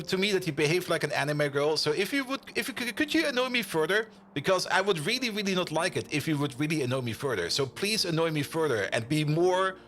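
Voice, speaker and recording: Casting: male game streamer, high bright voice, excitable rambling casual chat with repeated words, faint noise behind. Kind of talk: casual chat with viewers while gaming.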